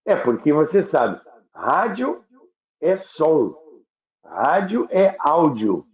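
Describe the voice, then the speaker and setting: A Brazilian man hosting a reminiscing talk, halting and repeating words as he searches for them, on a roomy, dull recording. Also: on the high side, sing-song, a little mellow. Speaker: host of a radio history show.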